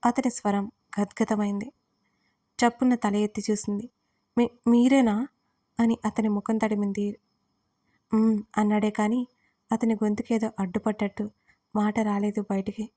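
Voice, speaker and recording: A woman storyteller reading a scripted drama with calm, measured narration. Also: medium pitch.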